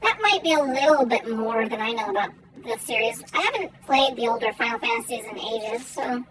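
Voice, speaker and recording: A woman giving casual gameplay commentary and chatting with viewers in a rambling, halting way, her R's softened toward W. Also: fairly high pitch, expressive, a crowd in the background, low-quality recording. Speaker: game streamer. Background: faint music.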